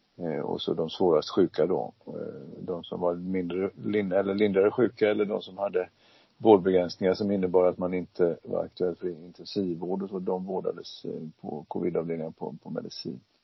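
In a very deep, low voice, a man speaks with fairly even intonation. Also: moderate pace. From Sweden, Gothenburg. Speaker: infectious disease physician. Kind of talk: interview. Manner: halting.

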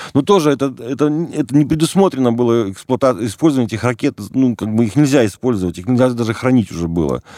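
Speaking at a very fast pace, a man uses a dark, mellow tone at medium pitch with lively intonation. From Belarus. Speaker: retired navy submarine officer and author. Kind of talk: casual interview.

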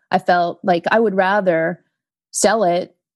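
The speaker talks at a fairly slow pace with fairly even intonation, in a Canadian accent. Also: woman. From Canada, Kingston area, Ontario. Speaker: painter. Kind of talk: interview. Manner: halting, many fillers and restarts.

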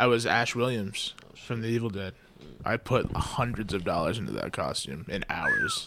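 Noticeable background noise fills the recording. Over it, a man talks at a moderate pace. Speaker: podcast host, comedian. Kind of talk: casual comedy banter. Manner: casual, joking.

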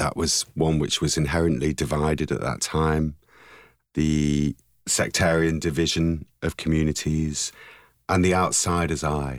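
A man with a very deep, low pitch speaks at a moderate pace on a very clean recording with a silent background. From England. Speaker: artist. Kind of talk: interview. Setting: studio.

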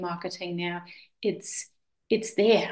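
A woman speaks with a German accent in a medium pitch. Her pace is moderate and her intonation fairly even. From Germany. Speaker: university professor. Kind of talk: interview. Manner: hesitant, many filler words.

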